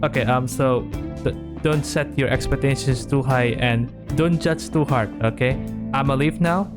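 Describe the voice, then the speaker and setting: A man's voice: medium pitch, normal speed, music in the background. A man giving casual scripted YouTube commentary in a blunt, sweary, self-deprecating way. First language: not Japanese. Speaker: YouTuber narrator.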